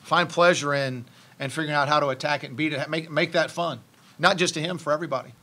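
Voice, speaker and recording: A man's voice: a little high, steady tone, sharp tone. A middle-aged man, a head basketball coach, answering postgame press questions in a press room, speaking into a table mic with frequent restarts and ums. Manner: halting, many restarts and ums, thoughtful. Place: press room with logo backdrop, seated at table. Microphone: table mic on stand.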